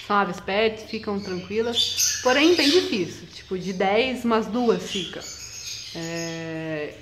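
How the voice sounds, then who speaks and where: A woman's voice: mid-range voice, expressive, slow. A young woman chatting casually about her pet parrots, scolding them playfully, in an indoor bird room. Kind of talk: casual chat to camera. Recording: echoey room, loud bird noise. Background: loud parrot squawks and chirps.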